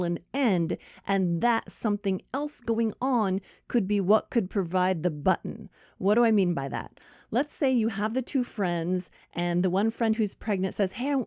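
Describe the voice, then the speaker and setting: A woman's voice: mid-range voice, warm tone, no echo, studio quality. A woman teaching screenwriting, who explains points casually and numbers them as she goes. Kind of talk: instructional talk.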